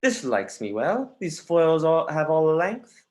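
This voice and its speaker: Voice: medium pitch, very animated, a little slow, a little mellow. An actor playing a brooding, earnest young prince with a defiant streak in a livestreamed reading of Shakespearean verse. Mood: courteous, wry. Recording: livestreamed remote call.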